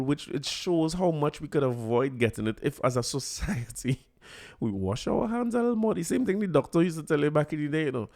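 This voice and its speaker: A man with a Trinidadian accent hosting a podcast, talking casually and joking with frequent laughs and repeated words. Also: on the high side. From Trinidad and Tobago. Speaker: podcast host. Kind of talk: casual solo commentary.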